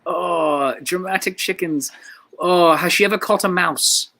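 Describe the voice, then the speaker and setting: A woman's voice: lowish voice, a little slow, a bit bright. A woman hosting a casual live-stream chat from a porch, bubbly and easily delighted. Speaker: host.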